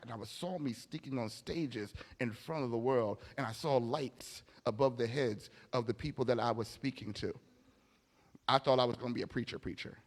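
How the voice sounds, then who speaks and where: A man preaching a motivational sermon, emphatic and informal, telling stories and repeating key phrases with dramatic pauses. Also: mid-range voice. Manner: informal, anecdotal storytelling. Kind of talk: motivational sermon to a live audience. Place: large indoor hall, speaking from a stage. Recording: echoey hall with long reverb.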